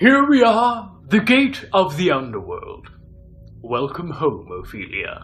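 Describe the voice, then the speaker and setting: A man's high-pitched, put-on character voice at a fairly slow pace, with music in the background. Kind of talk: comic audio drama.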